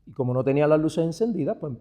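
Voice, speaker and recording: A man from Puerto Rico with a Puerto Rican Spanish accent, a pastor teaching other pastors. He calls his listeners brother, asks them rhetorical questions, and moves from hushed asides to emphatic, stressed phrases. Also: fairly high pitch, lively intonation, very fast. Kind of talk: church teaching talk.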